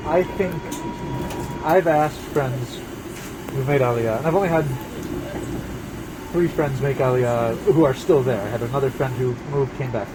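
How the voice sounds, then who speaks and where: A man answering as an interview guest, measured and reflective, pausing mid-sentence. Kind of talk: casual conversational interview. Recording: noisy, air conditioning and vehicle rumble.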